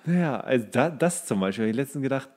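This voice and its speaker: A man's voice: medium pitch, expressive, fast talker, darkish tone. A man co-hosting a comedic podcast, talking in a casual, slangy and colloquial way. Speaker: podcast co-host.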